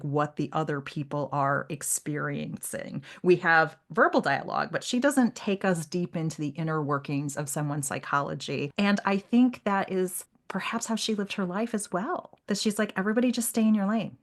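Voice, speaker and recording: A woman's voice: fairly low pitch, animated, moderate pace, few pauses. A woman co-hosting a podcast, talking through literature in a casual, reflective and appreciative way. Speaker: podcast co-host.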